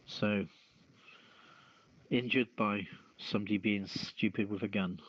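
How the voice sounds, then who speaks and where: A man hosts a casual news show at an unhurried, deliberate pace. His delivery is halting as he moves between reading and chat. The sound is close and dry but slightly dull and lo-fi. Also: on the low side, fairly even intonation, fairly bright tone, no echo. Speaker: podcast host reading news stories. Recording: dull, lo-fi streamed audio.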